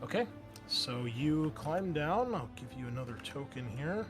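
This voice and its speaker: A man's voice: on the high side, expressive, measured pace. A man running a tabletop roleplaying game as game master, talking casually, swearing now and then and thinking aloud. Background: background music.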